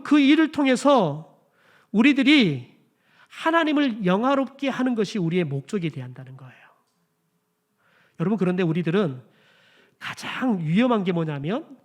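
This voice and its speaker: A man preaching a Sunday sermon as pastor in a church. He keeps addressing the congregation directly, asks questions and answers them himself, and swings between emphatic lines and hushed ones. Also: high-pitched. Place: church sanctuary.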